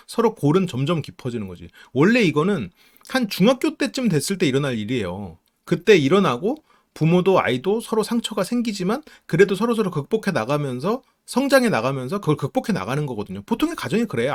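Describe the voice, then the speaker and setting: A man talks through a reality show episode with a counselor's eye, acting out the quoted family lines as he goes. His voice sits a bit high and moves up and down a lot. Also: quick pace. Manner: animated, acts out quoted lines of family members. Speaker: counseling psychology YouTuber. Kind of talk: casual commentary reviewing a reality show. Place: home studio, live stream.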